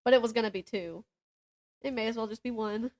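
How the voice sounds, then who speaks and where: A fairly high-pitched woman, talking a little fast, banters casually as co-host of a book podcast. She retells events with slang and energy, voicing the quotes as she goes.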